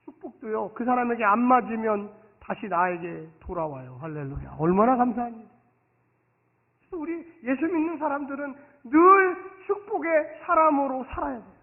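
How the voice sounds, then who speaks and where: A man preaching a Sunday sermon as pastor, animated, swinging from soft asides to loud exclamations and leading the congregation to repeat after him. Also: very high-pitched, normal speed. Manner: acts out dialogue and leads the congregation in call-and-response. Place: church sanctuary. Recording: reverberant hall, thin phone-like sound.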